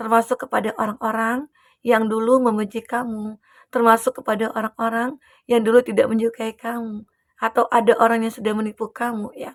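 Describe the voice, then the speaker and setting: A woman with a fairly high pitch speaks fairly quickly in a monotone, flat intonation, the sound dry and close with no echo on a very clean recording with a silent background. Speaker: tarot reader. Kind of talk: tarot reading. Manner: casual, conversational.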